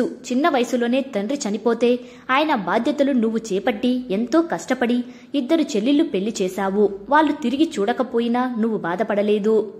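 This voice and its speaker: A woman's voice: fairly high pitch, lightly acted. A woman voicing a caring, blunt close friend in a read-aloud story, speaking frankly and probingly.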